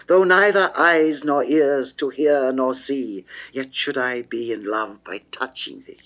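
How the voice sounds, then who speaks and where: A man's voice: medium pitch, unhurried, fairly bright tone, lightly acted. A man performing an amorous, pleading goddess in dramatic classical verse, theatrical and declamatory. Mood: impassioned pleading. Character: amorous, pleading goddess Venus, grand and lovesick.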